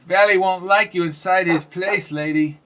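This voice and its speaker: A man voicing a confrontational male thug with a Spanish accent and a high voice. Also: steady tone, normal speed, a bit bright, slight background noise. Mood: pushy. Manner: confrontational, pushy.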